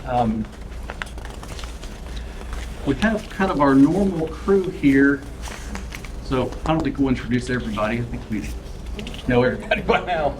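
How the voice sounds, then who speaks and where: A man's voice: medium pitch, lively intonation, normal speed, long pauses, background noise. A man chairing a public meeting, folksy in small talk and pointed when he questions. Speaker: committee chair. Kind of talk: public meeting, leading agenda.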